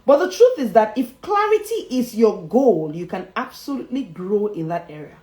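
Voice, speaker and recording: A woman's voice: medium pitch, very animated, normal speed, warm tone. A woman, a speech coach teaching viewers emphatically, repeating her key phrases and often chuckling. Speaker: public speaking coach. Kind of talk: motivational livestream teaching. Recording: roomy echo.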